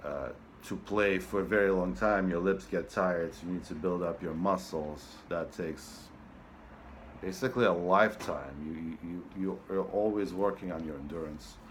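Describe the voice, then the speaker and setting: The voice shows ordinary pitch variation. Room echo is audible. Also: man, very deep, low pitch for a man, moderate pace. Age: 30s. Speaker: musician. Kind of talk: casual vlog monologue. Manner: halting, many restarts.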